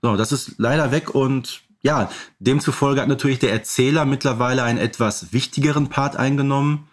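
A man's voice: mid-range voice, fairly quick. A man co-hosting a casual podcast discussion, explaining things in a detail-minded way. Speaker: podcast co-host.

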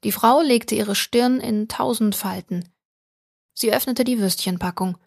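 A woman reading a short story aloud as an audiobook narrator, calm and even, close to the mic. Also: on the high side, unhurried, creaky, breathy edge, no room sound. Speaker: audiobook reader. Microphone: close studio mic.

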